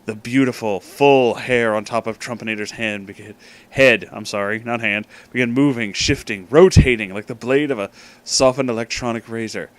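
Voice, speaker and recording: A man reads a comic story aloud in a dramatic storytelling manner, with deliberate pauses and amused asides. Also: mid-range voice.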